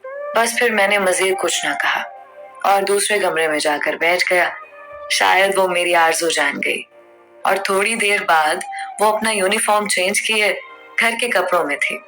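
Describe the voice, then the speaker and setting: A woman narrating a first-person love story in a soft, measured, heartfelt reading. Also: medium pitch, faint music behind.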